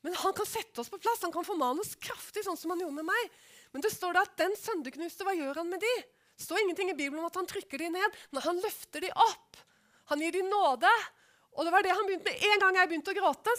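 High-voiced woman preaching a testimony. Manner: animated storytelling, asks listeners "skjønner du?". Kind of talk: testimony sermon.

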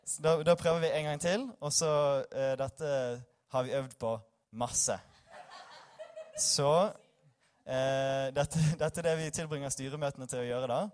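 A man's voice: medium pitch, fairly even intonation, a little mellow, clear, resonant tone. Tired, joking young man preaching. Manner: self-deprecating, joking, chatty with the congregation. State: tired after little sleep. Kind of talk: informal sermon with scripture reading. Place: church hall with congregation.

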